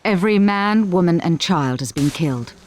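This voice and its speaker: Actress as a grim, low-pitched military woman. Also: expressive, darkish tone, slight background noise, natural voice. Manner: grim, deliberate, restrained. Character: sombre female military field reporter, grim, controlled. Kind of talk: scripted game cutscene dialogue.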